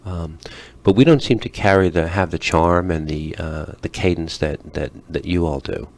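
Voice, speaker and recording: A man hosting a local radio talk show, chatting casually with guests and filling pauses with ums. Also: sits low. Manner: relaxed, chatty with many ums.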